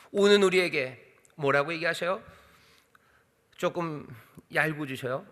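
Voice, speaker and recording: Bright, high-voiced preacher in a hall. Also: male voice. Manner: asks rhetorical questions and answers them; acts out short quoted lines in other voices. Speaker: senior pastor. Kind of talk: sermon. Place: church sanctuary. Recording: long hall reverb.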